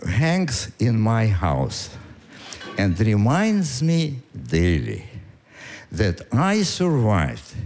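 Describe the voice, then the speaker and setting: Slow halting very old man, Russian accent. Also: mid-range voice, a little mellow. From Ukraine. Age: 90s. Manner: halting, slow, with many pauses and fillers. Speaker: storyteller. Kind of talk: live stage storytelling. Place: stage before a live audience.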